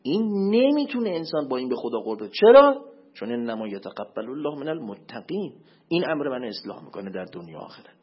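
Guy preaching, husky voice, pitch all over the place, dull lo-fi sound. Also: very animated. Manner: swings between loud emphatic questions and low murmured asides. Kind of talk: religious lecture. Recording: dull lo-fi recording.

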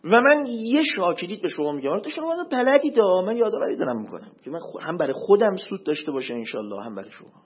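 A man giving a religious lecture as a preacher, swinging between loud emphatic questions and low murmured asides. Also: big pitch swings, hardly any pauses, husky. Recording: dull lo-fi recording.

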